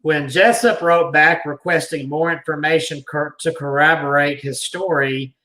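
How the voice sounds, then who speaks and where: Bright-voiced man reading aloud. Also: on the high side, fairly even intonation, normal speed, rough recording. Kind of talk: reading an article aloud with asides.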